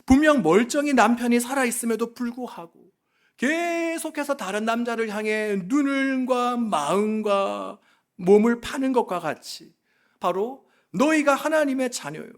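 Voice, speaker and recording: A male pastor from South Korea delivering a sermon to his congregation. His voice sits high and moves through a wide, lively range. He preaches in an impassioned, pleading way and leans on rhetorical questions. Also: unhurried.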